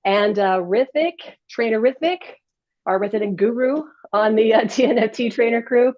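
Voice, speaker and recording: A woman's voice: on the high side, moderate pace, muffled recording. A woman hosting a fitness show as a personal trainer, chatty and laughing often while demonstrating moves, a little winded. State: slightly winded from exercising. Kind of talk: casual show chat with exercise demo.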